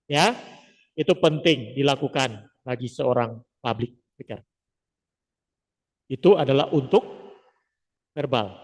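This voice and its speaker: A man teaching public speaking in a lively, emphatic lecture style, often dropping short "ya" asides to the audience. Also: medium pitch, slow pace, pauses often, in a large hall.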